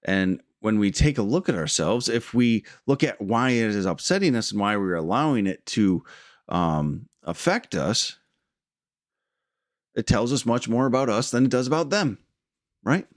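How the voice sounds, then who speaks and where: A man giving an earnest, reflective spiritual teaching in an informal way, pausing often with fillers. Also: medium pitch, lively intonation, no room sound, clean studio sound.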